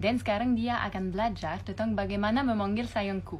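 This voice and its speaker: A somewhat breathy woman's voice with audible room echo. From France. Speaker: model. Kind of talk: casual chat. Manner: halting, many fillers.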